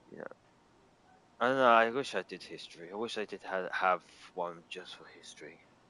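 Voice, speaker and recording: In a strong Scottish accent, a man talks at a fairly quick pace, his fairly low voice bright and sharp in tone with ordinary pitch variation. Long, frequent pauses and big swings in loudness mark his delivery. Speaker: gaming streamer. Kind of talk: casual gameplay commentary. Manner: halting.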